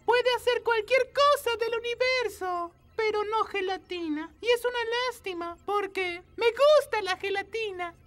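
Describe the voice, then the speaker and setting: A woman's voice: very high voice, measured pace, few pauses. A woman with a Latin American Spanish accent voicing a small, polite alien in a cartoon, explaining things earnestly. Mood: matter-of-fact. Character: small, polite, matter-of-fact green alien host. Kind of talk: animated cartoon dub. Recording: loud cartoon music behind.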